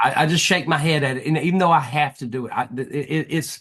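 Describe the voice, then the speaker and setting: A man's fairly high voice in a strong Southern US accent, at a fairly quick pace with fairly even intonation, over a quiet background. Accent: thick Southern US. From US South, mountains of North Carolina. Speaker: rock band singer. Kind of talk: podcast interview. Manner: halting, many restarts.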